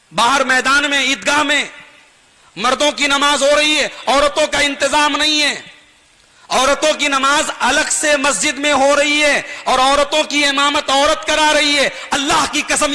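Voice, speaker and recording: A man delivers a sermon in a high, piercingly bright voice. He pleads and admonishes earnestly, with rhythmic sing-song repetition. His words ring out with a long hall reverb. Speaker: preacher. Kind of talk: sermon to a gathering.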